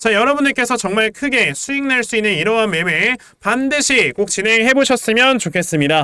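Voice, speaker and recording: A man speaks in a raised, projected voice that is high, bright and sharp. His intonation is lively, and his pace is fairly quick. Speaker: stock market commentator. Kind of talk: stock analysis with sales pitch. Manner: fast.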